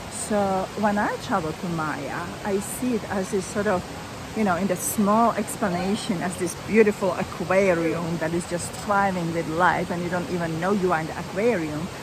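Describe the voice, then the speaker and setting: A woman with a non-native accent at medium pitch and moderate pace, with fairly even intonation and noticeable background noise. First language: not English. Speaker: spiritual channeler. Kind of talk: spiritual talk to camera. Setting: outdoors.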